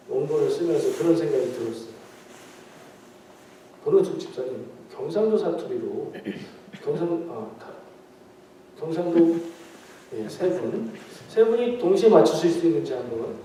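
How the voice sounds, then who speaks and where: A man's voice: fairly high pitch, expressive, moderate pace, long pauses, dark tone, a little hiss or hum. A man preaching a midweek prayer meeting sermon in a conversational way, asking the congregation questions and joking with them. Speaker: pastor. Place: church sanctuary. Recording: very echoey hall, mic far off.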